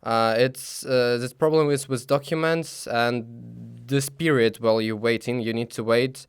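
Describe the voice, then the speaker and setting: Slow, measured young man, halting English. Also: medium pitch, steady tone, clean tone, no room sound, studio quality. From Belarus. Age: young adult. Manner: halting non-native English with many fillers. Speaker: student interviewee. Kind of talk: casual interview answers.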